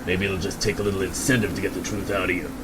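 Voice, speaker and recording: A man's voice: deep voice, steady tone, heavy background noise, natural voice. A man playing a suspicious, desperate backwoods drifter with a folksy, accusing manner in an amateur radio drama. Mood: threatening. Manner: folksy, accusing, drawn-out taunting.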